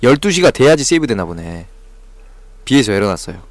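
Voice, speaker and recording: Male streamer, frantic horror-game commentary, animated voice, dry sound, quick to yelp and swear. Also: medium pitch, no echo. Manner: jumpy, swearing, frantic reactions to scares.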